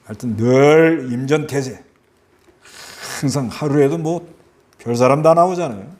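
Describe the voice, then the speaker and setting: Busan pastor preaching in a chatty way. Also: male voice, medium pitch, unhurried, darkish tone. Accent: Busan Gyeongsang. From South Korea. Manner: conversational preaching with rhetorical questions and acted-out voices. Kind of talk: sermon.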